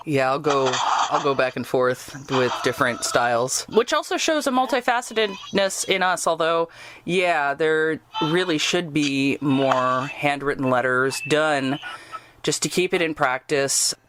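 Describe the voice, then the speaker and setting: Woman, lowish voice, casual interview talk, anecdotal, chatty, acts out quotes, faint noise behind. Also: lively intonation, unhurried. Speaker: radio drama writer being interviewed.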